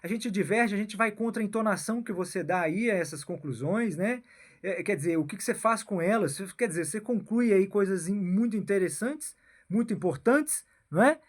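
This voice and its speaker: A man's voice: high voice, animated. A man with a Brazilian accent giving a rambling political monologue, tagging his phrases with a questioning "né?" and "my son" and often restarting himself. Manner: keeps adding "né?" and "meu filho"; halting, repeats and restarts phrases. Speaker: political commentator.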